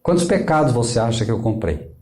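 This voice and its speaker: A man voicing Christ, gently questioning a believer. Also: medium pitch, very animated, fairly quick, roomy sound, close to an everyday voice. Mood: gentle questioning. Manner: patient, questioning.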